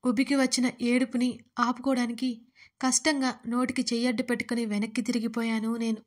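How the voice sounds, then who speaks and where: A writer and narrator of audio stories tells her own emotional love story in the first person, in a dramatic, tearful way. Her voice is on the high side, her delivery flat and brisk.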